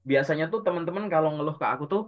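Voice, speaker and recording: A man's voice: a little high, racing, highs cut off. Man coaching over a video call. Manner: explains step by step, poses and answers his own questions. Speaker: job interview coach. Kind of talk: casual coaching session.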